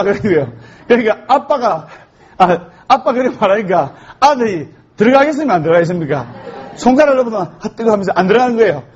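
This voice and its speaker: High-voiced joking Buddhist monk. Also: male voice, breathy edge. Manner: joke-telling, animated storytelling. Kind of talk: humorous sermon. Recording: dull lo-fi recording.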